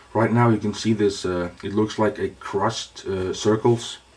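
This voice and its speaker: Noticeable background noise sits behind the speaker. A man talks with fairly even intonation. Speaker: product reviewer. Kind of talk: product review tutorial. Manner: soft-spoken; hesitant, many fillers.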